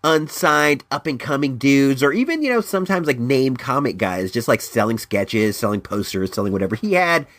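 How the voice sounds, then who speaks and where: A man from Northern California hosts his own podcast, chatting casually in a rambling way, his voice stuffed up from allergies. His mid-range voice moves at a moderate pace with few pauses and lively ups and downs, restarting often, and there's no room sound.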